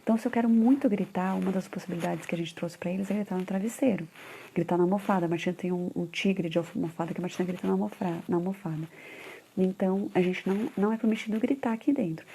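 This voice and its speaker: A woman's voice: fairly low pitch, fast talker, gravelly, warm tone, a little hiss or hum. A woman in her thirties, a mother and parenting educator, giving a casual conversational live talk with frequent tag questions.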